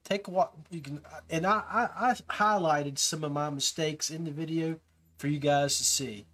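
A man hosts a podcast in a slightly high voice, coaching beginners in a loose, rambling way. He backtracks and repeats himself as he explains. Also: normal speed, a bit bright. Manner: rambling, with restarts and fillers; coaching tone, giving tips to beginners. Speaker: podcast host. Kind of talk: casual talk to viewers.

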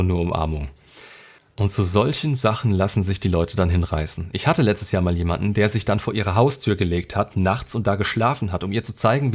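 A man hosting a show, reading a viewer's relationship story aloud and commenting on it bluntly and sarcastically. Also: lowish voice.

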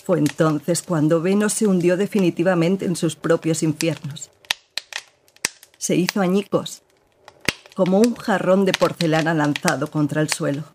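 A woman's voice: on the low side, moderate pace, background noise, lightly acted. A woman narrating a radio drama in a sober, somber storytelling way.

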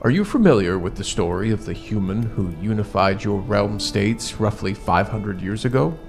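Male tabletop storyteller, low and animated, formal measured phrasing, faint music behind. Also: gravelly. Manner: formal, measured, halting wording. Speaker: player in a tabletop roleplaying game. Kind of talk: improvised in-character storytelling.

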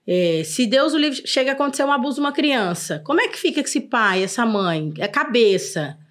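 A woman's voice: fairly high pitch, a little fast. A middle-aged Brazilian woman, a social services official, telling earnest stories from her work in a casual podcast chat. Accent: Brazilian Portuguese. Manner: earnest, animated storyteller.

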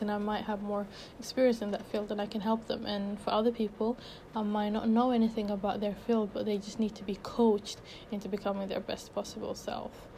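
A young woman from Sweden chats through her own unedited podcast as a life coach, upbeat and loose, full of fillers and restarts. Her voice stays mellow and fairly level in pitch, and she sounds a little out of breath. Faint noise hums behind her. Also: rough recording. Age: 20s. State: a bit out of breath. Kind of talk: casual unedited solo podcast.

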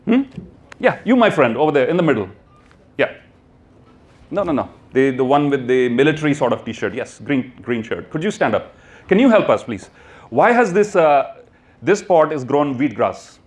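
A man's voice: mid-range voice, big pitch swings, moderate pace. A man with a North Indian accent giving an emphatic motivational talk to a live audience, prompting listeners with questions and repetition. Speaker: motivational speaker.

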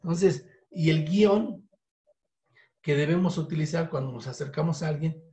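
High-voiced Mexican man coaching sales. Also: dark tone. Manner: coaching tone that acts out sample phone calls in quick voices. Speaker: sales trainer. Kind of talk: motivational sales training talk.

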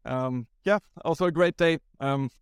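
A German startup founder talks casually in an interview, rambling and often restarting his sentences with "um." His voice is a little high, clear and resonant, at normal speed, in a dry, studio-quality recording.

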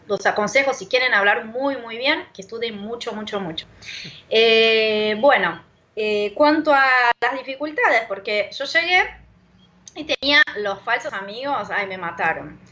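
A Brazilian woman whose first language is Portuguese, a language teacher chatting as an interview guest, pausing often with fillers. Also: a little high, bright, forceful tone. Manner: thoughtful, many pauses and fillers. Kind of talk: casual interview talk. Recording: dull lo-fi audio.

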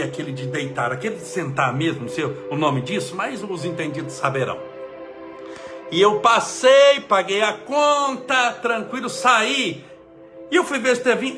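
A man, an energetic spiritual leader giving an emphatic inspirational talk and leading prayer. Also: on the high side.

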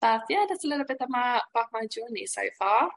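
A woman's voice: on the high side, expressive, quick pace. A woman in her late twenties with a Swedish accent tinged with British, chatting casually and emphatically as an interview guest. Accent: Swedish with some British. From Sweden. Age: 20s. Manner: enthusiastic, emphatic. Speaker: podcast guest, network marketer.

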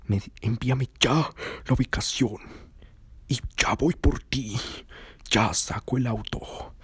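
A man's voice: mid-range voice, slow pace, a bit bright, breathy edge, dry recording, heavily acted. A man voicing a jealous, possessive young boyfriend who fires off the same demanding questions again and again. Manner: insistent, interrogating, repeats questions.

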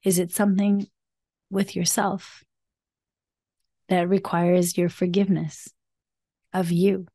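A woman hosting a self-help podcast, speaking in a soft, fairly high voice, earnest and encouraging, often adding "like" and "right?". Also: flat delivery, slow pace, pauses often. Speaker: podcast host.

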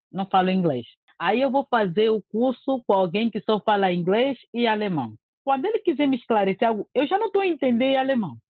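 A woman's voice: a little high, creaky, dry recording. Angolan woman, earnest casual testimonial, dry phone-quality audio. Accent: Angolan Portuguese. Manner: earnest and emphatic, with frequent restarts. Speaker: language course student giving a testimonial.

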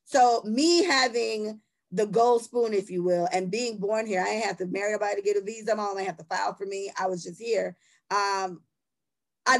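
Blunt, gravelly-voiced woman podcaster. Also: mid-range voice. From Jamaica. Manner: candid, profane and emphatic. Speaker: podcast co-host. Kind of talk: casual podcast chat.

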